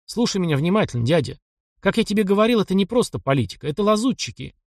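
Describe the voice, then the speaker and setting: A man reading the lines of a cocky, sharp-tongued young male taiga hunter in an audiobook. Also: sits high, very animated, fast, no echo, studio quality, voice pushed up. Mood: instructive. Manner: cocky, sarcastic retorts.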